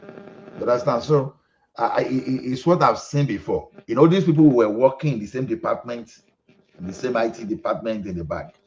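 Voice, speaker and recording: A man's voice: mid-range voice, a little fast, darkish tone. Nigerian guy hosting a chat, keeps stuttering into his sentences, muffled sound. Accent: Nigerian English. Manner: stammering, repeats words as he starts. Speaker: host. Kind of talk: casual group chat. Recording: dull lo-fi audio.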